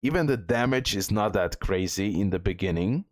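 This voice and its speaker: Man, low voice, casual game guide commentary, repetitive, checks in with listener, very dry sound. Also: animated, moderate pace, dry recording. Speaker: video game guide host.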